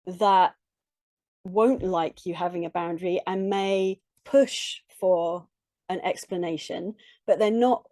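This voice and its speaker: A middle-aged woman, a relationship coach, speaking earnestly and reflectively in short halting phrases with restarts. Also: on the low side, steady tone, dry recording, studio quality. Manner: earnest, reflective, with frequent soft laughs. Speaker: relationship coach, podcast guest. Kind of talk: conversational interview.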